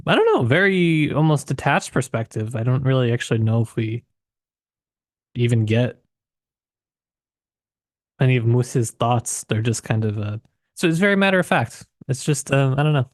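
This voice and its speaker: A man's voice: medium pitch, expressive, normal speed, pauses often, darkish tone, no echo, clean studio sound. A man co-hosting a casual literary discussion, conversational and tentative as he thinks aloud. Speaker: podcast co-host.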